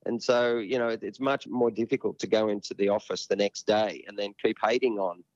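Man, former footballer, lowish voice, dull muffled audio. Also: fairly even intonation, brisk, darkish tone, dry recording. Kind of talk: news interview clip.

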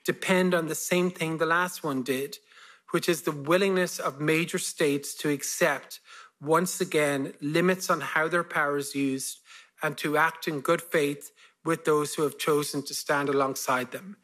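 A man around fifty with an Irish accent, giving a measured policy lecture and then answering questions. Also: a little high, fairly even intonation, a bit bright. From Ireland. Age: about 50. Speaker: guest speaker, foreign policy expert.

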